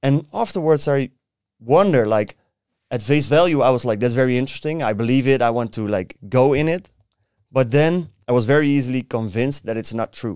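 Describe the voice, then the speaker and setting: An ordinary speaking voice at a fairly quick pace, with ordinary pitch variation, a dry sound with no echo, and a quiet background. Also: man, medium pitch for a man. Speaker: podcast co-host. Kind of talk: casual interview. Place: studio. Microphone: studio mic.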